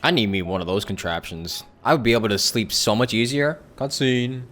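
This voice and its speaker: A man's voice: medium pitch, brisk, fairly bright tone, soft background music. A man doing casual live stream commentary on a game, with wry, joking asides.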